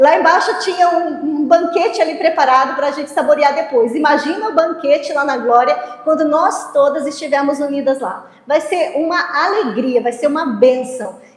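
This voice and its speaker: In a São Paulo interior accent, a woman speaks with a high pitch, ordinary pitch variation and a moderate pace. The recording carries audible room echo and noticeable background noise. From interior of São Paulo state, Brazil (São José dos Campos). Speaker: women's conference speaker. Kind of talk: conference talk.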